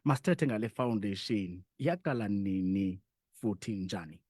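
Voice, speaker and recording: A man's voice: fairly low pitch, lively intonation, normal speed, darkish tone, dry recording, clean studio sound. A man with a South African Xhosa accent hosting a conversational radio interview and putting questions to guests.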